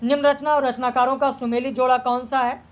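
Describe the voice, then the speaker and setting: A woman teacher running through exam practice questions, reading each one and checking the answers in a brisk, matter-of-fact way. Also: high-pitched, flat delivery.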